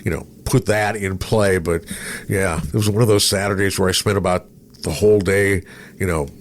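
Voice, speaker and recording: Low-voiced middle-aged man, casual podcast host. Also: fairly even intonation, moderate pace. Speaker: podcast host, former radio programmer. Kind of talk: casual conversational interview. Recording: noticeable background noise.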